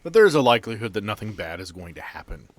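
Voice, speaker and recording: A man's voice: fairly low pitch, very animated, fast. A man narrating an improvised tabletop roleplaying game as game master, with a casual, joking way of talking.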